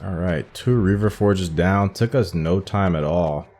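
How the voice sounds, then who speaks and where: A man's voice: low-pitched, a little slow, a little mellow. A man giving casual, musing, conversational commentary as he plays a video game. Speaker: gaming YouTuber.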